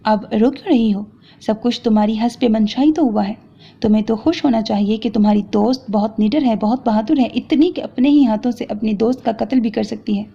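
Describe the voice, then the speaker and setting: A woman's voice: fairly high pitch, creaky, warm tone, husky. A woman reading the lines of an angry young man who harshly accuses and lectures his wife, in a romance audio novel. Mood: angry, accusing. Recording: dull lo-fi recording.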